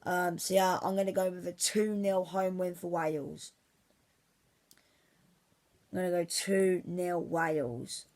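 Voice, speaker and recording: A man's voice: high-pitched, fairly even intonation, unhurried, long pauses, darkish tone. A man giving casual football predictions on his vlog, rambling and repeating himself with many restarts. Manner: rambling, says "obviously" constantly, many restarts; fan-like, insistent about his team. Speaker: football vlogger.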